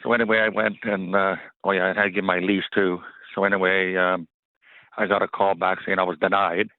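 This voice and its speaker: A man phones in to a radio call-in show. His voice sits low and comes through a tinny telephone line with a dry sound. He tells his story haltingly and with emotion, often stopping to restart. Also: flat delivery, no echo. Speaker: caller.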